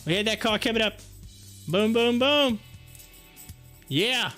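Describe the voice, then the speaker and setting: High-pitched man livestreaming, bright voice. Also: expressive, takes it slowly, soft background music. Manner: chatty, informal, addresses viewers directly. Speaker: livestream host. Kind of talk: casual live stock-chart commentary.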